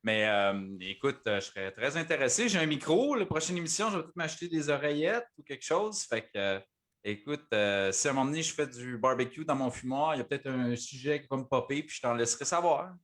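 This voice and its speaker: A man, a guest on a podcast, talking in a relaxed way with fillers. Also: mid-range voice, fairly quick. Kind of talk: casual podcast chat.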